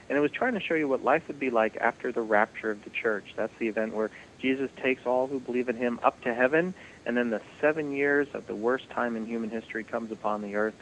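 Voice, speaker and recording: A man's voice: medium pitch, slight background noise, low-quality recording. A man, a guest on a Christian radio show, talking in a friendly way and laughing easily. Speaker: ministry guest. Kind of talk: radio interview conversation.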